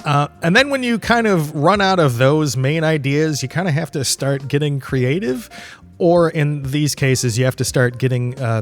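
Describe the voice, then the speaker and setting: A man with a fairly high voice talks casually as a podcast host. He rambles conversationally from point to point, as if chatting straight to the listener. Faint music plays behind him. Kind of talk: casual solo podcast talk.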